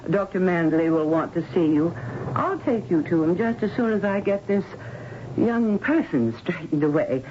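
An actress playing a forbidding, officious head nurse in a 1970s radio drama, curt and hesitant. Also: female voice, on the low side, animated, normal speed, lightly acted. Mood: brisk, officious. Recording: muffled, noisy old radio broadcast.

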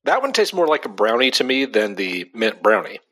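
A young man co-hosting a relaxed podcast talks fairly quickly in a sing-song, medium-pitched voice that's a bit bright. He laughs readily and peppers his loose chat with "like."

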